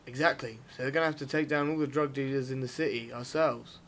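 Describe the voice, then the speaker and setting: A man playing a brisk, pushy ex-cop turned vigilante in an audio drama, explaining things matter-of-factly. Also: medium pitch, steady tone, fairly bright tone, a little hiss or hum, lightly acted. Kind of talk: amateur audio drama acting.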